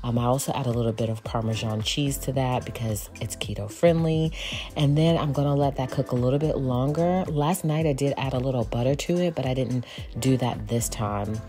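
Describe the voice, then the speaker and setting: Vlogger mom, forties, very low warm-toned voice, relaxed chatty delivery, light music underneath. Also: female voice, fairly quick. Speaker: lifestyle vlogger. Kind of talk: casual cook and clean narration. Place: home kitchen. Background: soft background music.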